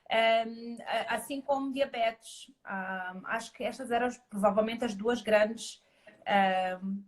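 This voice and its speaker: A middle-aged woman from Mozambique, a naturopathic doctor, speaking as a guest in a live interview with many fillers and restarts. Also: high-pitched.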